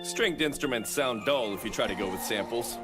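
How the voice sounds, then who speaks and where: A man's voice: mid-range voice, animated, a little fast, natural voice. An actor voicing a practical, matter-of-fact male sound staff member in an anime dub. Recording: music playing under the voice.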